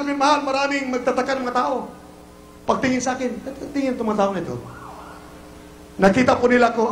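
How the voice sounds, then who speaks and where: A Filipino man preaching a fiery sermon as pastor, breaking into shouted exclamations. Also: very high voice, reverberant, slight background noise.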